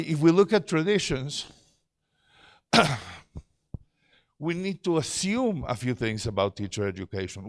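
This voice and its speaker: Engaging middle-aged male conference speaker. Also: high-pitched. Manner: engaging, asks the audience questions. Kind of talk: conference presentation to teachers.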